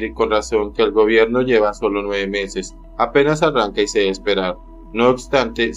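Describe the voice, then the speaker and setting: Low-voiced man reading a column. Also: a bit bright. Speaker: column reader.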